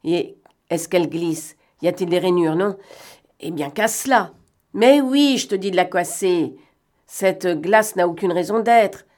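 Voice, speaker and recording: A woman reading aloud and voicing a cunning male gentleman thief who talks in a mocking, bantering way and snaps out brisk orders. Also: on the low side, animated. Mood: commanding. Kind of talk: audiobook reading.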